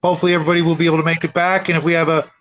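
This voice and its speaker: Male livestream host, high-pitched, halting and repetitive casual chat, dull lo-fi sound. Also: little pitch movement, a bit bright. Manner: hesitant, repeats words. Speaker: show host.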